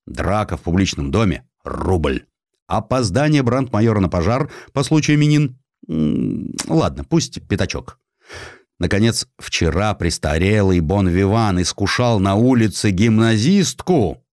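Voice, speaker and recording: A man reads a historical tale with theatrical irony. His voice sits fairly low and moves through very lively intonation. The sound is dry and close, with little room around it. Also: dry recording. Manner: theatrical, ironic storytelling. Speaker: audiobook narrator. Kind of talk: expressive narration of a satirical historical story.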